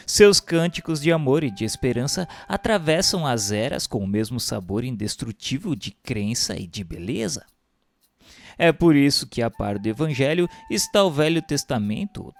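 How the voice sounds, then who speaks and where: A Brazilian man narrates in a mid-pitched voice, solemn and formal. He delivers the scripted religious text in a declamatory way, like an audiobook reading, with instrumental music behind him.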